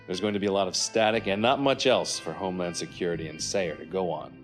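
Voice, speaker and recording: A man's voice: low-pitched, steady tone, quick pace, faint music behind, lightly acted. An actor playing a coldly loyal henchman in an audio drama, terse and formal. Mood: businesslike.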